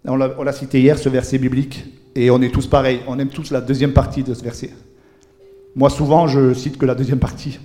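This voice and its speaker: A man's voice: medium pitch, flat delivery, fairly quick, mellow. A man from preaching a sermon in a church, earnest, with restarts and words repeated for weight. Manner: earnest, repetitive emphasis, many restarts.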